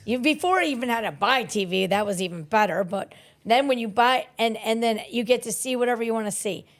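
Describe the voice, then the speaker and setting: A woman's voice: a little high, brisk. A woman with an American accent chatting casually as a co-host. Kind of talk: casual chat.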